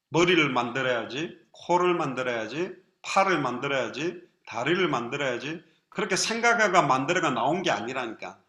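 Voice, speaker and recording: Lively bright-voiced male preacher, echoey hall. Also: a little high. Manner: lively preaching with acted quotes. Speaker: pastor. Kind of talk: sermon.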